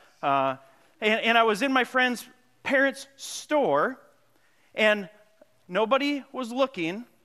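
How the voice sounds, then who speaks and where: Against a quiet background, a man with a northern Minnesota accent uses a raised, projected voice with a bright, sharp tone and extremely high pitch, speaking very slowly with long, frequent pauses and lively intonation. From Minnesota (Grand Marais, near Canadian border). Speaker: pastor. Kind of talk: sermon. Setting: church.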